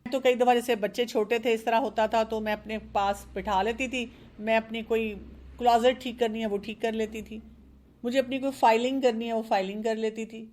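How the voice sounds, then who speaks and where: High-voiced middle-aged woman giving parenting advice. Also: fairly even intonation, a little mellow. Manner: earnest, explaining with examples from her own children, mixing in English words. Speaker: parenting expert. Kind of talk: advice talk on a show.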